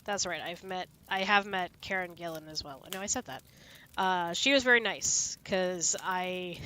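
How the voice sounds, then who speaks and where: A woman's voice: on the low side, bright, forceful tone. A woman chatting casually with her live viewers while sick, rambling and laughing easily. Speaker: streamer.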